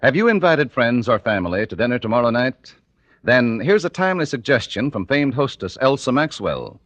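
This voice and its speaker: A man reading a 1950s radio commercial as the announcer, in a smooth, persuasive way. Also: mid-range voice, sing-song, normal speed, fairly bright tone, dry recording. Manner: smooth, persuasive, sing-song. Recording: dry, dull old radio recording.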